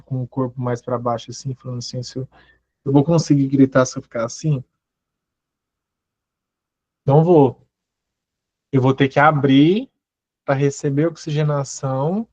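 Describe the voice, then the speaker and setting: A man gives a motivational talk on personal growth in a fairly high voice. He keeps firing rhetorical questions at his listeners. The recording sounds muffled and dull. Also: darkish tone, no room sound.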